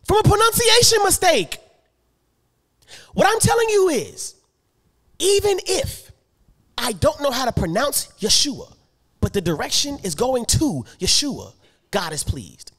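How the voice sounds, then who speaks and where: Animated man riffing on scripture. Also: very high voice, measured pace, pauses often. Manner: animated, laughing, rising to loud emphatic preaching bursts; reads scripture aloud then riffs on it. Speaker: podcast co-host. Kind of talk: casual theology podcast talk.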